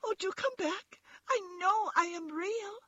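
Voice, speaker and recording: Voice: extremely high pitch, measured pace, bright, forceful tone, no echo, highs cut off, voice pushed up, exaggerated voice. A narrator voicing a small, young toy rabbit in a storybook, timid, defensive and wistful, with a plaintive, insistent way of talking. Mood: pleading.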